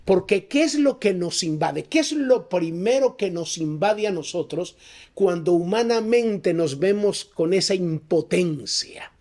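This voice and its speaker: Pastor guy preaching hard, fairly high voice, keeps asking the same question and acting out the quotes. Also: expressive, measured pace, darkish tone. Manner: impassioned preaching, repeats questions, acts out quotes. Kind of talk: sermon.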